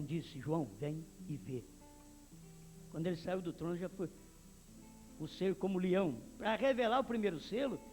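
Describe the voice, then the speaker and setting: High-pitched fervent Brazilian pastor preaching. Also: male voice. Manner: reads passages aloud, then preaches with rising fervor and shouting. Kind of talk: sermon reading and preaching. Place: church.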